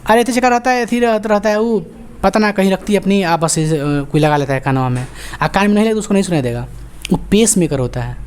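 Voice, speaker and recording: A woman's voice: mid-range voice, a little mellow, clear, resonant tone. Bihari-accented woman teacher quizzing students. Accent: Bihari Hindi. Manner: quizzing students with rapid call-and-response questions; joking, scolding. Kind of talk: classroom lecture.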